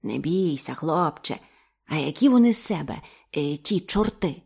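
A woman's voice: on the low side, a little slow. A woman voicing a hot-tempered male sea captain who barks short commands. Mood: coaxing. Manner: gruff, short commands, softening to coaxing.

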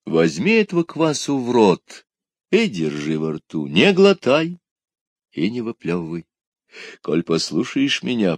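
A man doing a gentle old wanderer. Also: on the low side, no echo. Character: kindly old wandering pilgrim, calm advisor.

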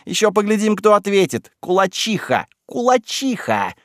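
A man doing a shrill accusing young woman. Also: big pitch swings, moderate pace, fairly bright tone, dry recording, clean studio sound. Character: blunt, tearful young village woman.

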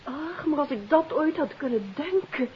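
An actress playing a refined, concerned wife of a detective in a 1950s radio drama, attentive and inquiring. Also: female voice, high-pitched, expressive, moderate pace. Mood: surprised, curious. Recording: dull, hissy 1950s radio recording.

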